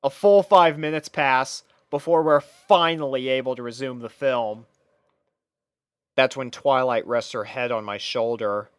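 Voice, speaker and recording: Smooth, dry-sounding male story narrator. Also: medium pitch, unhurried, no room sound. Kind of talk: scripted first-person story narration.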